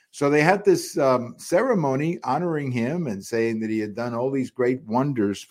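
A man's voice: medium pitch, darkish tone. A middle-aged man from Cuba giving a solo political commentary, indignant and repetitive, with frequent fillers and restarts. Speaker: podcast commentator.

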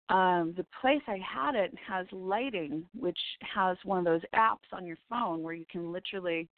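A woman hosting a spiritual radio show, her voice scratchy and hoarse, chatting in a rambling, heartfelt way with little laughs. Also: on the low side, no room sound. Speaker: radio show host and psychic reader. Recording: tinny phone line, dry.

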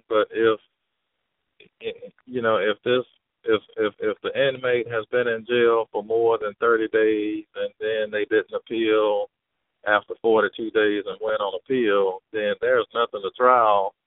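A man speaking as the legal expert guest on a call-in show, explaining things in a measured way. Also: mid-range voice, no echo. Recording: dry tinny phone line.

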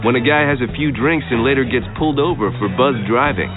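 A man's voice: mid-range voice, quick pace. Sarcastic male ad voice, tinny. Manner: dry, sarcastic. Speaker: ad narrator. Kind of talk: scripted radio ad. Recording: tinny line with music behind.

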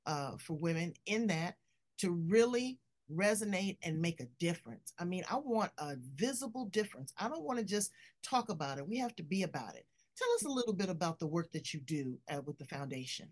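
A woman's voice: lowish voice, lively intonation, a little fast. A woman hosting a talk show, effusive and playful, with an upbeat, rallying way of speaking. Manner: effusive, playful, preachy about purpose. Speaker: show host. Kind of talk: casual interview chat.

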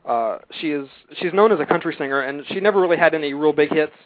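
Fast-talking male host on a phone line. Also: a little high, noisy background. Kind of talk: interview questions, casual chat. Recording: dry phone-line sound.

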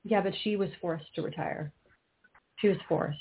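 A woman's voice: lowish voice, normal speed, slightly rough. A woman co-hosting a psychic radio show, interjecting with practical questions. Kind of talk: radio call-in chat. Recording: tinny phone line with faint hiss.

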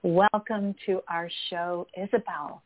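A woman's voice: fairly low pitch, steady tone, takes it slowly. A woman hosting a radio interview show, asking her guest questions in an appreciative way. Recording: phone-line audio.

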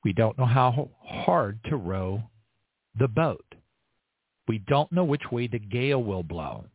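A man's voice: mid-range voice, lively intonation, slightly rough, no room sound. A man pours out an earnest spoken prayer, stumbling and restarting mid-thought. His voice sits in an ordinary middle register. The sound is dry and thin, like it's coming down a phone line. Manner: earnest, halting, with frequent restarts. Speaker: prayer leader. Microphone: online stream.

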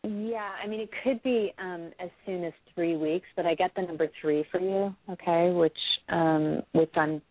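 A hoarse woman with a cold, giving a psychic reading to a caller, hesitant with many ums before firm predictions. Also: fairly low pitch, steady tone, moderate pace, hardly any pauses, no room sound. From United States. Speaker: psychic reader. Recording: dry, phone-quality sound.

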